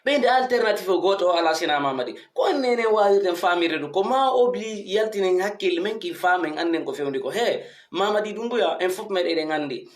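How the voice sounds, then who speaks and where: A man's voice: high-pitched, expressive, brisk. A man giving an informal, emphatic commentary to followers, often asking rhetorical questions. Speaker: online commentator addressing followers. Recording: echoey untreated room.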